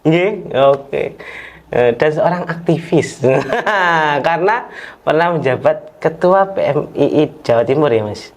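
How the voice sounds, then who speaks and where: A man hosting a casual podcast interview, joking and laughing often with quick backchannels. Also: on the high side, expressive. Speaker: podcast host.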